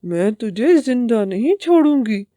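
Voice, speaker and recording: A woman's voice: a little high, animated, warm tone, no echo, lightly acted. A woman voicing a greedy, scheming female witch in a cartoon, drawing out her menacing words. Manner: slow, gloating and menacing.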